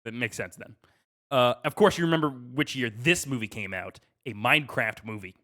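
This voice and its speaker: A man's voice: mid-range voice, moderate pace, pushed and bright. A man hosting a casual podcast quiz, reading out questions and scores and bantering with the contestants. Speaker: podcast host running a quiz.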